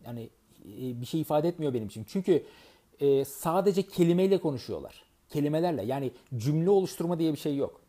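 A man giving earnest, advising talk to his audience as a network marketing trainer, pausing often with fillers and restarts. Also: a little high, animated, dark tone. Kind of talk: advice monologue to an audience.

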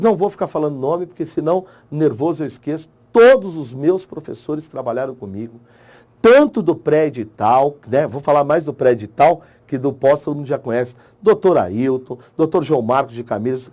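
A man with a Brazilian accent, an online course teacher giving an emotional motivational talk to exam candidates, swinging between soft and loud. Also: mid-range voice. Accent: Brazilian Portuguese.

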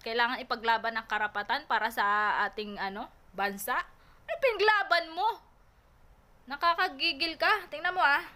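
A Filipino woman vlogger living abroad, recording at home in Taiwan, scolds and mocks someone in a heated reaction rant, repeating her taunts. Her high voice is bright and forceful at a moderate pace.

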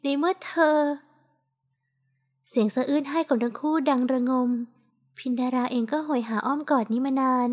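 A woman narrating a romance audiobook in a steady, even storytelling voice. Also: sits high, normal speed. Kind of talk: scripted narration.

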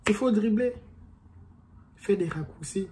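This young adult man has a high-pitched voice and talks a little slowly, with a French accent he himself calls non-native-sounding. Filming a casual motivational vlog in a small room at home, he gestures animatedly at the camera, rambling and restarting.

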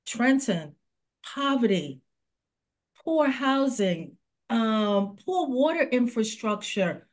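A woman on a video call speaks as a community organizer, earnest and measured. She talks slowly, her voice a little high, and lays out each concern one at a time. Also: big pitch swings. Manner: earnest, listing issues deliberately. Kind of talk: interview talk.

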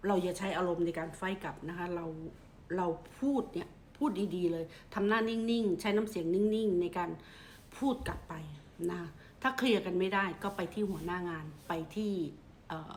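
A middle-aged woman from Thailand talks to camera in a casual advice vlog, her voice sitting a little low. She keeps a polite, measured pace and softens nearly every phrase with a gentle courteous ending. A faint ambient hum runs beneath her. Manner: polite, ends almost every phrase with a soft "na kha", measured and steady. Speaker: vlogger giving advice.

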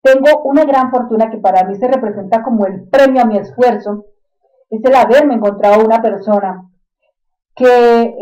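A woman's voice: on the high side, warm tone, rough recording. A Colombian woman with a Bogotá accent, talking informally and emphatically to her students as an online instructor, repeating phrases for stress. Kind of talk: informal motivational talk to students in a screen-recorded tutorial.

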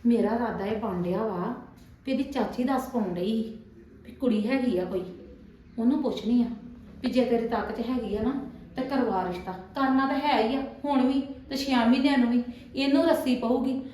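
A middle-aged woman playing a mother who complains rapidly about her grown son. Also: fairly high pitch, dark tone, natural voice. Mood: grumbling. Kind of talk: web drama acting. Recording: echoey room, far from the mic.

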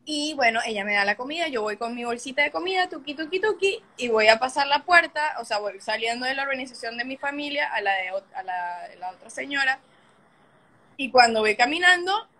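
Bright-voiced young woman storyteller. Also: a little high. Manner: animated, swears often, acts out scenes. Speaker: livestream host. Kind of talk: casual storytelling.

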